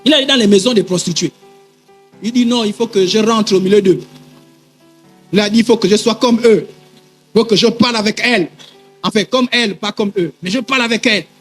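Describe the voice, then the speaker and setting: High-voiced animated preacher man. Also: a little fast, long pauses, soft background music. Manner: animated storytelling, acting out dialogue, frequent fillers. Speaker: pastor. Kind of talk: sermon with acted anecdotes.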